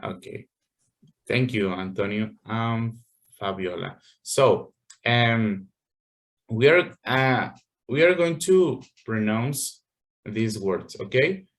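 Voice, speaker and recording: A man's voice: fairly low pitch, slow. A man teaching an English class over a video call, patient and full of fillers, checking in with "okay" often.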